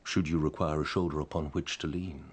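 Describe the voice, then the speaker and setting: Low-voiced calculating aristocrat, courteous with a hidden edge. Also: male voice, fairly even intonation, brisk. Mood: probing. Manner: smooth, probing, formally courteous. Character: cool, calculating nobleman count. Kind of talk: radio drama acting.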